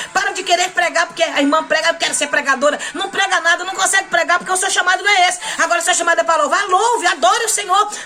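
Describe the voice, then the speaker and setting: Music plays behind a woman speaking very fast with hardly any pauses, her voice raised and projected. Her pitch is extremely high, with ordinary pitch variation. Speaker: missionary preacher. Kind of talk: sermon. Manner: loud.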